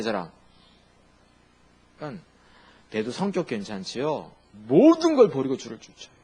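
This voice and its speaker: A middle-aged male pastor preaching a sermon in an animated, conversational way, asking the congregation questions and laughing along. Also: on the high side, breathy edge.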